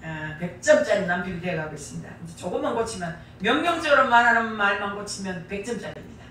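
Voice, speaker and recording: Female preacher, middle-aged, Gyeongsang accent; bright, punchy delivery with homely humor; distant mic, very echoey sanctuary. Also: mid-range voice, lively intonation, fast talker, slight background noise. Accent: Gyeongsang Korean. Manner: emphatic, repeats key phrases, folksy humorous asides. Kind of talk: sermon. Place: church sanctuary.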